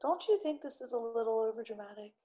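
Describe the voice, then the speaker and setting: A woman's voice: a little high, quick pace, noisy background, natural voice. A woman acting a cynical, hard-drinking gumshoe in a radio drama, blunt and sardonic. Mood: weary, sardonic. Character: hard-drinking, cynical, foul-mouthed gumshoe hunting a killer.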